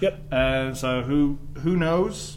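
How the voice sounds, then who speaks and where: Room echo and clear background noise surround a man speaking with an American accent. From Oklahoma. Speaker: podcast co-host. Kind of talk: casual chat.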